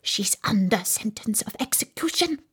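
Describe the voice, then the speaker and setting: A woman voicing a timid, anxious male white rabbit in a storybook, breathy and hushed, with a nervous, furtive manner. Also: fairly high pitch, lively intonation, normal speed. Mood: anxious, secretive.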